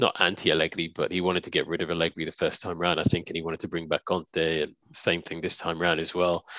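A man with an English accent has a bright, sharp tone, recorded with a dry, close sound with no echo. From England. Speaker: podcast co-host. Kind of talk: casual chat.

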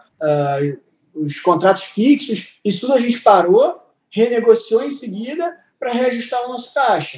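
Extremely high in pitch, a man speaks fairly slowly with very wide pitch swings and big swings in loudness. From Brazil, Rio de Janeiro (Niterói). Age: 20s. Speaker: hotel executive and business student. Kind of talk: podcast interview.

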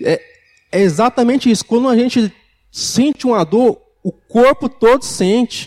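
A man with a Brazilian accent and an extremely high voice speaks at a fairly slow pace with ordinary pitch variation and long, frequent pauses, in a dry, close sound with no echo. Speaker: pastor. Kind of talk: sermon.

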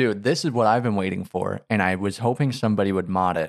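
This very clean recording with a silent background features a man with an unremarkable speaking voice, fairly low pitch, and ordinary pitch variation. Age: 20s. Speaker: podcast co-host. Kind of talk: casual chat.

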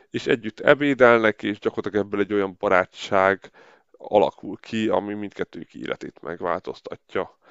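A man with an ordinary speaking voice. His pitch varies in an ordinary way. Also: fairly low pitch for a man, moderate pace. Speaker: film podcast host. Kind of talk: solo podcast commentary.

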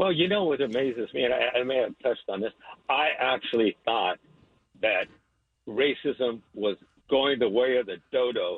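This man speaks with an American accent at a medium pitch and a moderate pace. His pitch varies in an ordinary way, and he leaves long, frequent pauses. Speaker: caller. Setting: phone call.

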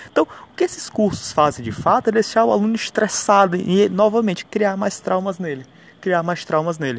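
A man's high-pitched voice with lively intonation, at a moderate pace. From Ceará, Brazil. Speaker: podcaster, language learning commentator. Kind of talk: casual monologue. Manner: talkative.

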